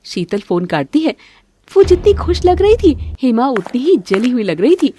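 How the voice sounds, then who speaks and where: A woman narrating an animated family story in a scripted storytelling style. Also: sits high, moderate pace, slight background noise.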